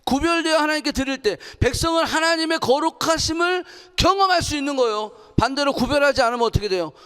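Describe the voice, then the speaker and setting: A woman pastor delivers an energetic sermon in a church sanctuary, her voice high and her pace quick. She animatedly poses questions to the congregation and acts out quotes. Long hall reverb fills the recording.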